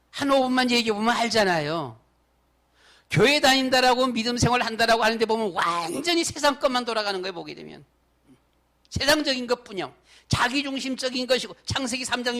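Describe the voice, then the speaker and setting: Man, pastor, high-pitched voice, emphatic repetitive preaching, conversational sermon. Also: fairly bright tone.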